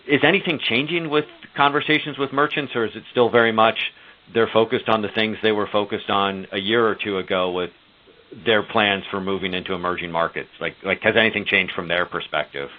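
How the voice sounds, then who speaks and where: A man asking questions as a financial analyst on an earnings call, politely and tentatively rephrasing as he goes. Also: on the low side. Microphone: telephone. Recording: narrow phone-line sound.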